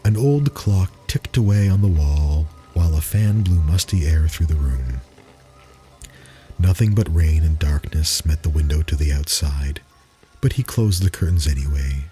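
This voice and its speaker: A man giving a dramatic reading of a spooky story, deliberate and suspenseful, with dramatic pauses. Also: rumbling low, lively intonation, warm tone, faint music behind.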